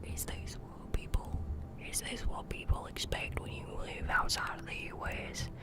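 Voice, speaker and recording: A woman from the United States whispering ASMR close to the mic in a playful, teasing way. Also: normal speed. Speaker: ASMR creator.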